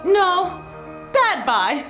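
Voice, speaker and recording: A woman narrates a children's story as a young girl heroine. Her voice is high and very animated, bubbly and exclamatory, with music behind it. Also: very slow.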